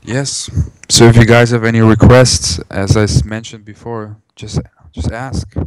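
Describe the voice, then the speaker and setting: A man's voice: medium pitch, flat delivery, unhurried, a little mellow, smooth, no echo. A man who grew up in Germany, introducing himself to a room in a loose, friendly, conversational way. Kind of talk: casual spoken introduction.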